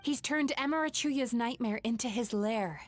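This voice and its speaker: A woman voicing a composed, determined young female healer in a video game, speaking in a measured, earnest way. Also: on the high side, lightly acted. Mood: grave, explanatory. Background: game music.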